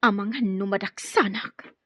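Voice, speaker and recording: A woman's voice: medium pitch, a little slow, a bit bright. An actress playing an anxious, troubled woman of a tribal family, fretful and pleading, with an Ilocano accent, in a radio drama. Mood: worried, hushed. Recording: muffled, band-limited radio drama recording.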